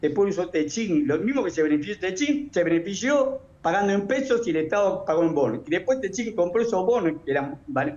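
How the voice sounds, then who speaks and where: Over noticeable background noise, a man speaks with high pitch and very wide pitch swings. His pace is fairly quick, with hardly any pauses and very even loudness. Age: 70s. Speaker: economic analyst. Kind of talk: TV panel discussion. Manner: animated.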